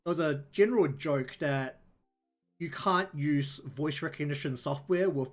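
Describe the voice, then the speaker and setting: A streamer and artist with a New Zealand accent chats casually on his livestream, rambling along with lots of "ums" and "likes." His voice is a little high and unhurried, with faint lofi music in the background.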